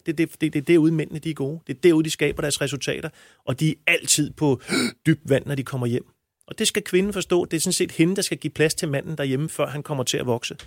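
In studio-quality audio with no room sound, a man answers interview questions as a men's coach. His voice is a little high, and he speaks bluntly and emphatically, often using crude language.

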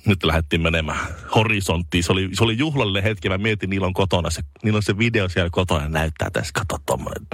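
A man's voice: low voice, few pauses, a bit bright, dry recording, studio quality. A man in his thirties co-hosting a morning radio show, telling rambling anecdotes with lots of restarts. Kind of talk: casual chat, storytelling.

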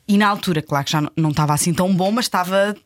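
A woman's voice: on the low side, racing, no echo, clean studio sound. A young woman from Portugal with a European Portuguese accent, telling a story in casual chat and acting out the voices of the people in it. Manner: animated storytelling, acts out quoted voices. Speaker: actress telling a story as a guest.

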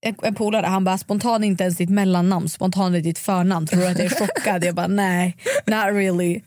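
A young woman co-hosting a casual podcast, speaking in a lively way and quoting herself with rising excitement. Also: fairly low pitch, no echo, clean studio sound. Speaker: podcast co-host.

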